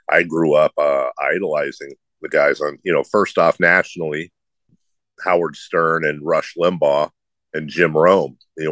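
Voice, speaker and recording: A man's voice: very deep voice, a bit bright, dry recording. A middle-aged man who hosts sports radio, with a slight lisp and a nasal, droning voice, answering interview questions in a rambling, self-deprecating way.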